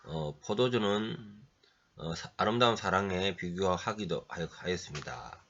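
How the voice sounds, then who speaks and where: Throat-clearing man preaching, dull lo-fi sound. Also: sits low, lively intonation, fairly bright tone, a little hiss or hum. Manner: halting delivery, frequent throat clearing and fillers. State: has a head cold. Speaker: pastor. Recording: dull lo-fi recording.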